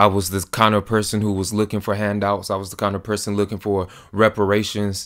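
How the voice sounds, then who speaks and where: Speaking fairly quickly with an American accent, a man uses a fairly low pitch and monotone, flat intonation, with big swings in loudness, on a very clean recording with a silent background. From US South, Alabama. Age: 20s. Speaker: political commentator. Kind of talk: personal testimony vlog.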